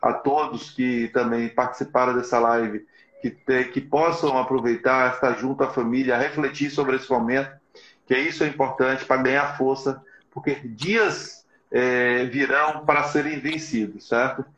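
A middle-aged man speaks over a video call from a small room. The sound is echoey and a bit dull, at a medium pitch. He hosts like an earnest motivator, urging listeners on and checking in with short tag questions. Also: steady tone, moderate pace, a bit bright. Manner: earnest, exhorting, frequently adds tag questions. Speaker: live stream host for a business support agency. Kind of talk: motivational live webinar talk. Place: small plain room indoors. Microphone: video call, device in front of him.

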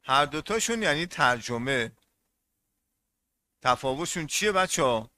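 A man's voice: a little high, animated, pushed and bright, no room sound. A male English teacher giving a classroom lesson, repeating each term and putting questions to his students. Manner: repeats terms and quizzes the class.

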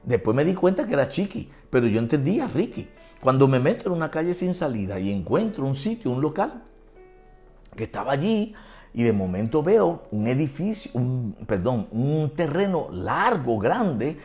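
A man with a Puerto Rican accent preaching a sermon, telling stories in an animated, colloquial way. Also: normal speed, soft background music. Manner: animated, colloquial, drops to deep low tones for emphasis. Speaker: pastor. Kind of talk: sermon with storytelling.

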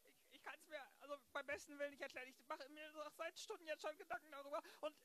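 A man's voice: very high-pitched, steady tone, quick pace, crowd noise. A man playing a fussy, chattering dating agency owner in an improvised amateur radio play. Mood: defensive.

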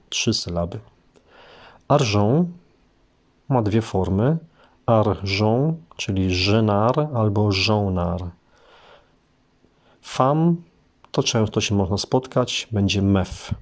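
Low-voiced man teaching a language lesson. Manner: explanatory, unhurried, with hesitant fillers. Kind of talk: casual spoken lesson.

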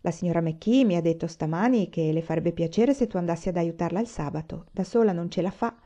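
A woman voicing a quiet, kindly frontier mother in a read-aloud story. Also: on the low side, a little fast, close to an everyday voice. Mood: gentle.

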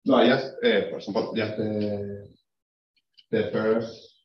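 Slow, halting man presenting research. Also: on the low side, flat delivery, a little hiss or hum. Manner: halting, hesitant, many fillers. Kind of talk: academic presentation and answers. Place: lecture room. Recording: echoey, distant, dull room recording.

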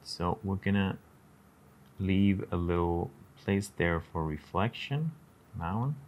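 A man's voice: low voice, animated, takes it slowly, dull audio. A man casually narrating his drawing steps on a live stream, talking through each step and greeting viewers in chat.

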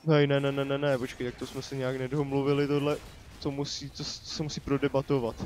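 A man's voice: mid-range voice, completely flat delivery, a little mellow, a little hiss or hum. A man casually commenting on his own gameplay, chatty and joking, talking to the enemies on screen. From Czechia. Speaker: let's play commentator. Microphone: desk microphone.

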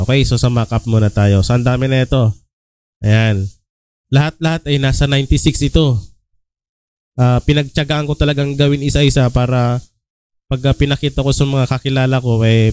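Filipino man, smooth and dry. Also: medium pitch, no echo. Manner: relaxed, many filler "ah" and "okay?" check-ins. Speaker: design tutorial host. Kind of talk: casual screen-recorded tutorial.

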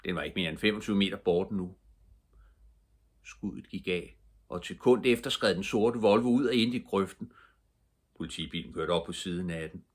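Older man with a deep, husky reading voice. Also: pauses often. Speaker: storybook reader. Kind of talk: reading a children's book aloud.

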